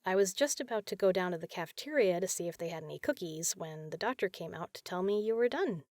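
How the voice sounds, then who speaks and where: A woman playing a caring, teasing big sister in an intimate comfort roleplay, talking softly and casually. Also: on the low side, lively intonation, quick pace, no echo, studio quality. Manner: soft, soothing, casual, playful.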